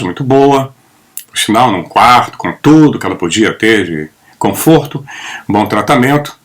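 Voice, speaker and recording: An older man, in his seventies, speaks at an ordinary middle pitch. He talks in a loose, digressive way, mixing strong opinions with family anecdotes. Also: fairly bright tone. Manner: opinionated, rambling storyteller. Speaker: channel host. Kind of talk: casual spoken monologue. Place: home in the Netherlands.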